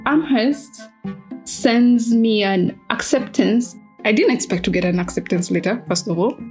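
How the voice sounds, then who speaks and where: A woman's voice: fairly high pitch, measured pace, over music, rough recording. Young Ugandan woman telling her story. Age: 20s. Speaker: interviewed alumna, history PhD student. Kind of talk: personal storytelling, conversational.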